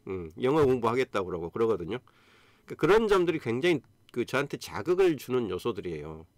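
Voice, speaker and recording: A man's voice: medium pitch, big pitch swings, quick pace, dry recording. A man in his fifties hosting a live stream, talking earnestly and encouragingly with many fillers. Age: 50s. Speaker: YouTube host. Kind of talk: casual live-stream talk.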